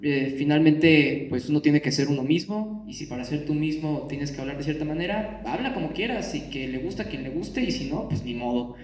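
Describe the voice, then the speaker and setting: A man gives his opinion at a press conference. He speaks in an unhurried, relaxed way. He sounds a bit away from the mic in a reverberant room. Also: fairly high pitch, slight background noise. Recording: echoey room, from a distance.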